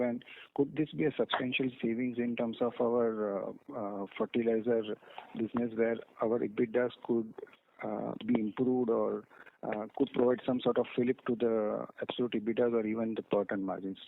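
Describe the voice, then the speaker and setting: Male financial analyst, Indian accent, gravelly mid-pitched voice, questioning management on a slightly noisy narrowband call. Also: steady tone, normal speed. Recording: noisy, tinny phone line with clicks.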